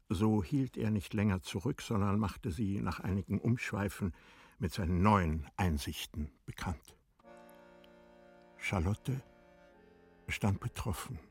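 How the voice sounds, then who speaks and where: A man reading scripted literary narration for a radio drama in a measured, expressive storytelling manner. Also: low-pitched.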